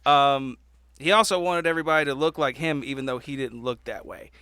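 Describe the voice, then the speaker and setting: Bright-voiced irreverent man at game night. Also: mid-range voice, fairly quick, smooth, no echo, studio quality. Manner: irreverent, sweary, chuckling. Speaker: tabletop game player. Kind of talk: casual comic storytelling.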